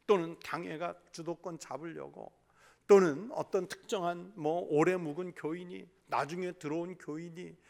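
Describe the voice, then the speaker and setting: High-voiced Korean pastor preaching. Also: male voice, gravelly. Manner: preaching with rhetorical questions to the congregation; drops to a hush for emphasis. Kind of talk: sermon.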